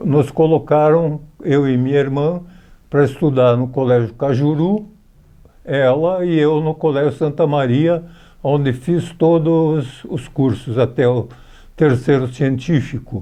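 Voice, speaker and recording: A man with a fairly high pitch speaks at a very slow pace. His pitch variation is ordinary. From Brazil, Curitiba (Paraná). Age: 70s. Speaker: interviewee giving life testimony. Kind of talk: oral history testimony.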